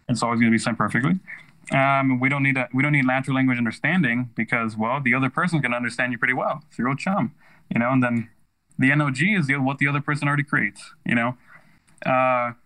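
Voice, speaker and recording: A man's voice: medium pitch, pushed and bright, rough recording. An American man giving casual, enthusiastic and emphatic explanations as an interview guest, often adding "you know". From United States. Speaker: tech startup founder, interview guest.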